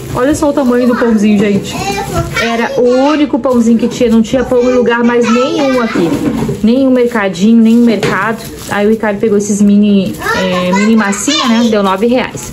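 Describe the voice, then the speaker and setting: A woman at a moderate pace, with fairly even intonation and very even loudness, over crowd noise in the background. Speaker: family vlogger. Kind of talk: casual vlog chat. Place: kitchen. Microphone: phone near.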